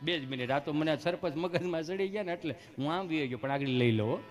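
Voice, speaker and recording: Man, high voice, chatty folk comedy storytelling, faint music behind. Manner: chatty, animated, quick character switches.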